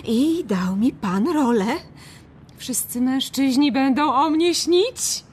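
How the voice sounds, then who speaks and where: Starstruck admirer for radio drama: gushing, high female voice. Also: slow, a little mellow, slightly rough, exaggerated voice. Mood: adoring.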